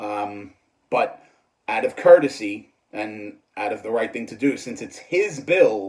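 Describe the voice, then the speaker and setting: With a New York accent, a man speaks at a fairly slow pace and a medium pitch, with lively intonation and big swings in loudness. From US Northeast, New York City. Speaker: scale model builder, hobby video maker. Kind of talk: casual vlog talk to viewers. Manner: casual, hesitant with fillers.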